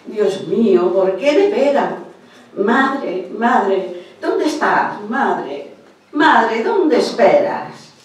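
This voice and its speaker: A woman's voice: medium pitch, big pitch swings, very slow. A woman voicing a pleading little orphan boy. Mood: desperate. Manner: pleading, tearful. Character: poor little orphan boy begging for a mother. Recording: roomy hall, voice far from mic.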